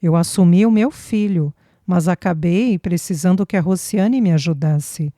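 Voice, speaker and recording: A woman's voice: on the low side, normal speed, mellow, no echo, clean studio sound, close to an everyday voice. A woman reading a young mother's lines with emotional, pleading speech.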